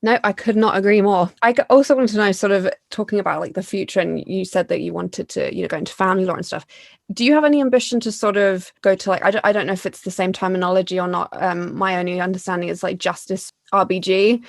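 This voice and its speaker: A woman's voice: mid-range voice, fast talker, creaky, dry recording, studio quality. A young woman hosting a podcast, asking earnest, impassioned questions that wander before she lands them. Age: young adult. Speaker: podcast host. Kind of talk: casual podcast conversation.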